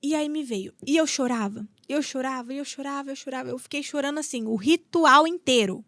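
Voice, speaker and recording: A woman's voice: high voice, fairly quick, fairly bright tone, no echo, clean studio sound. A Brazilian woman in her thirties, a podcast guest telling a personal story with emotion, repeating herself and acting out what people said. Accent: Brazilian Portuguese. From Brazil, São Paulo state. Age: 30s. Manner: emotional, acts out dialogue with repetitions. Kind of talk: storytelling in an interview.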